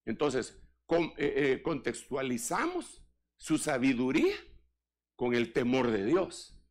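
An older man preaching a sermon in an animated style, with joking asides to the congregation. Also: mid-range voice, slow pace. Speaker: apostle preaching.

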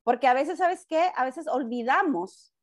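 A middle-aged Mexican woman chatting as a guest on a radio talk show, with a loud voice that sounds almost like shouting, often restarting and repeating her words. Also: sits high, lively intonation, a little slow. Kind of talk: casual chat.

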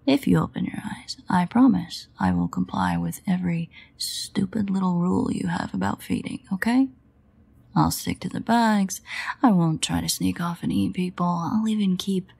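Low, husky sardonic vampire woman played by an actress. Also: a little mellow, heavily acted. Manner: sarcastic, grumbling, hesitant asides. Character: sardonic, guilt-ridden female vampire, protective and foul-mouthed. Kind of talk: intimate audio roleplay acting.

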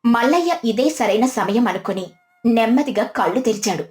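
A woman's voice: on the high side, animated, normal speed, a little mellow. A woman narrating a scripted village moral tale in storybook style. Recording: music behind the voice.

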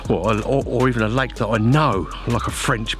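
A man's voice: medium pitch, normal speed, a bit bright, faint music behind. A man chatting casually to viewers as an angler presenting a vlog, informal and matey, giving practical advice.

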